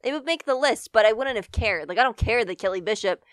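A woman's voice: fairly high pitch, lively intonation, fast, no echo. A woman co-hosting a podcast, chatting casually in an emphatic, mock-indignant way. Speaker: podcast co-host. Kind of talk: casual pop culture chat.

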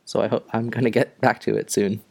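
A young man from Ontario co-hosting a podcast, chatting casually in a halting way with many fillers. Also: on the low side, flat delivery, gravelly, a little mellow, no room sound. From Ontario, Canada. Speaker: podcast co-host. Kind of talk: casual chat.

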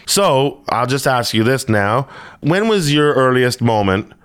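A comedian from Ontario hosting a casual podcast chat, telling animated stories and acting out quotes. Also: male voice, mid-range voice, a little slow, clear, resonant tone, no room sound, studio quality. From Ontario, Canada. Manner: animated storyteller, acts out quotes.

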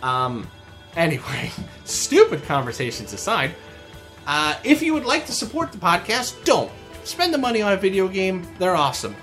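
Man, podcast co-host, casual chat, rambling, hesitant, laughs a lot, lively pitch, faint music behind. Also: normal speed.

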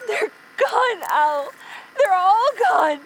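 A woman's voice: extremely high pitch, expressive, drawn-out words, full character voice, poor audio. A woman playing a grieving, short-tempered mother in an emotional audio drama. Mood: sobbing, remorseful.

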